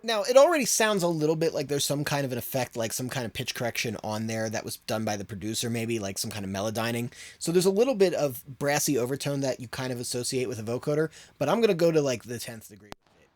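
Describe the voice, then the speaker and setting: A man's voice: mid-range voice, animated, fast, no echo. A man hosting an audio production tutorial in an informal, conversational way. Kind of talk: casual spoken tutorial.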